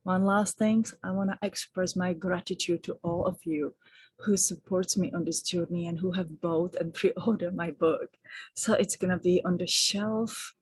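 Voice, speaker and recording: A middle-aged woman giving gentle, affectionate spiritual guidance in a vlog. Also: lowish voice, husky, no room sound. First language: Czech. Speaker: spiritual teacher and author.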